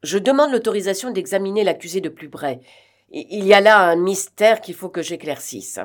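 A woman's voice: medium pitch, lively intonation, brisk, pitched above the performer's own voice, natural voice. A woman reading the lines of an uneasy, insistent older male police inspector in an audiobook.

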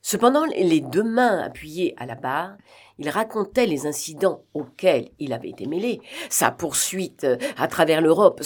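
A woman reads a novel aloud as an audiobook narrator. Her voice is fairly low, and her reading is steady, with occasional small fillers. She sounds like an amateur reader.

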